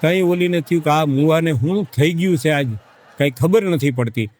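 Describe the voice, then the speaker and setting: A man spins a folksy comic tale about village life. His voice sits high, and he repeats words for rhythm as he acts out each character. The recording is dry and close. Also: a little mellow, dry recording. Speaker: comedic storyteller. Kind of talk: folk joke storytelling to a live audience.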